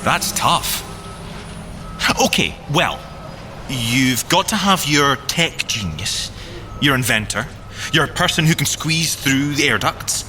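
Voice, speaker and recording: An actor playing a boyish, excitable, boastful inventor agent in audio drama banter, with a theatrical delivery. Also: male voice, mid-range voice, takes it slowly, long pauses, noisy background. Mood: playful, enthusiastic. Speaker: agent and engineer character.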